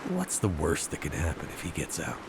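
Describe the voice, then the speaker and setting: Deep-voiced, dry survivor hero, noisy backdrop. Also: male voice, wildly swooping pitch, exaggerated voice. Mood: questioning. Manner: dry, measured, skeptical. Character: world-weary, skeptical male survivor hero, dry and steady. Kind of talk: naturalistic video game acting.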